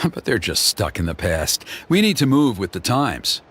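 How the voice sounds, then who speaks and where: A man voicing a smooth-talking, flattering male tribal elder who persuades the heroes in a game. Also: on the low side, normal speed, exaggerated voice. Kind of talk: game voice acting. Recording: game music behind.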